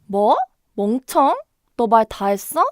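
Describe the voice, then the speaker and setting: A woman's voice: on the high side, animated, slow pace, no echo, studio quality. A woman playing a candid, naive, easily riled young female student in a radio drama. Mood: shocked, indignant.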